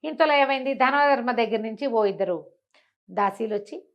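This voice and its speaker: A woman telling a story in an animated, conversational way, as an informal oral storyteller. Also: on the high side, normal speed, dull audio. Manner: conversational, acts out characters' dialogue.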